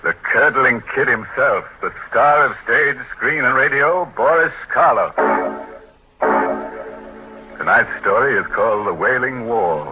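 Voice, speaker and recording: A man's voice: mid-range voice, animated, unhurried. A man hosting a 1940s radio horror show, with mock-sinister delivery and macabre jokes. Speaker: host and announcer. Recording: muffled 1940s radio broadcast with music.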